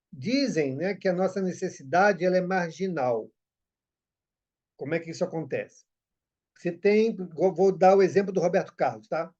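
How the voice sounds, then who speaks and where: A man's voice: high-pitched, a little mellow, muffled recording. A man coordinating a group study discussion, repeating his points for emphasis.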